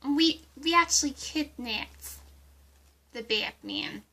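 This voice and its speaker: A woman playing a giddy, childlike clown villainess with a high, girlish voice and cutesy, singsong delivery in an amateur roleplay. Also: lively intonation, slow pace, gravelly, sharp tone, full character voice. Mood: chatty, aggrieved. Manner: cutesy, singsong, pet-name-dropping.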